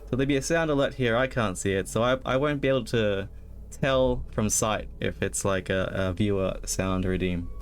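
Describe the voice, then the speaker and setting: A man livestreaming a horror game, moving between casual chat with viewers and reading story text aloud, often halting and repeating words when he chats. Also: on the low side, a little hiss or hum. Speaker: livestreamer, host of a spooky game stream.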